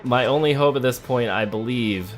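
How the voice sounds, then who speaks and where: A man's voice: medium pitch, normal speed, faint music behind. A man giving casual let's play commentary on a video game, thinking aloud and talking to the characters as he plays. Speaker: gamer playing a video game.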